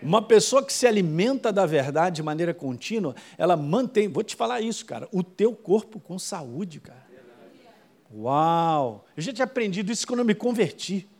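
A male pastor, preaching a sermon in a lively, conversational way full of quick asides. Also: high voice.

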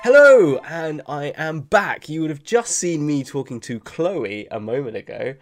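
A man's voice: on the high side, animated, measured pace, soft background music. Man, southern English accent, podcast host, casual chat, matey, informal, interjecting. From Buckinghamshire, England.

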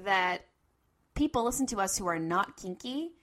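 A woman's voice: mid-range voice, lively intonation, moderate pace, a bit bright. A woman in her thirties co-hosting a podcast in casual banter, with a playful, self-mocking way of talking. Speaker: podcast co-host.

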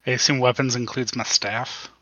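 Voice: mid-range voice, flat delivery, normal speed, fairly bright tone, no echo, poor audio. A tabletop game player making wry jokes. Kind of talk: casual tabletop play.

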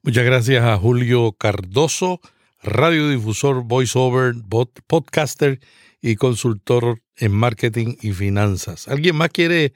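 Guy moderating, formal intros, middle pitch, dry sound. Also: takes it slowly, no room sound. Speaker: panel moderator. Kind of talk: online panel discussion.

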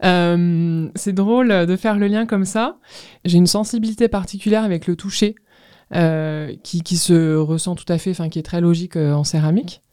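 Hesitant woman in her thirties, mellow low voice. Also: fairly even intonation, moderate pace, clear, resonant tone, no room sound, studio quality. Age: 30s. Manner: hesitant, searching for words. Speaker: guest artist, ceramicist. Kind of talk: casual interview answers.

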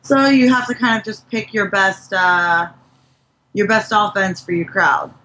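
A woman's voice: medium pitch, unhurried, bright, forceful tone. Matter-of-fact woman giving advice. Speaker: podcast co-host. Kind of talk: casual conversational talk.

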